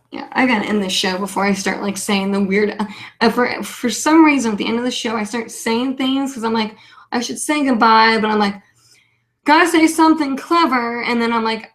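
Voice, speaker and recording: A woman hosting a casual live online show, chatting in a rambling, self-deprecating way. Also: on the high side. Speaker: host of a weekly live online hobby show. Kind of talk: casual livestream chat.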